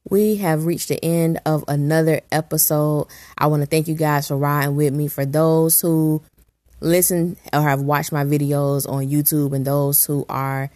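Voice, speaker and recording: Raspy low-voiced woman podcast host. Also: level tone, a little slow, a little mellow, no echo, clean studio sound. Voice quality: naturally raspy voice. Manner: earnest, preachy encouragement with prayers. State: extra raspy and deep, coming down with a cold. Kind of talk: motivational solo podcast talk.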